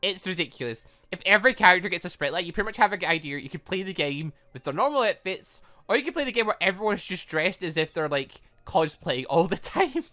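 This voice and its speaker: A gaming host doing a visual novel let's play, reading lines aloud and rambling through off-the-cuff reactions in an animated way. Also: medium pitch, quick pace, hardly any pauses.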